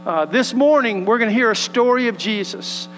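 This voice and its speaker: A man's voice: very high-pitched, normal speed, a bit bright, in a large hall, a little hiss or hum, rough recording. A man with a West Texas accent, preaching and praying as a pastor in a folksy, earnest way. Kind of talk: sermon with prayer and scripture reading. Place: church sanctuary.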